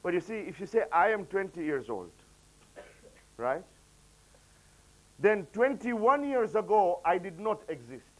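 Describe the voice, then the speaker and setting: High-voiced man preaching with rising emphasis. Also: big pitch swings, unhurried, pauses often, low-quality recording. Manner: rises in pitch and volume when quoting, drops low for asides. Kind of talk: religious lecture.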